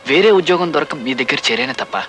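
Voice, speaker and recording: Polite employee quitting, earnest, music under it, played by an actor. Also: male voice, a little high, racing, a bit bright, lightly acted. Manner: respectful, earnest advice. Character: loyal employee resigning to his boss. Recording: film soundtrack under background music.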